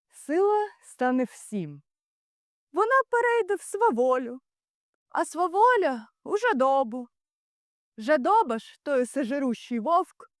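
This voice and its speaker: A young woman playing a wise, stern male Greek commander in a theatrical Shakespeare monologue, declaiming in deliberate, rhetorical phrases. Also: mid-range voice, no room sound, clean studio sound. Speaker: drama student.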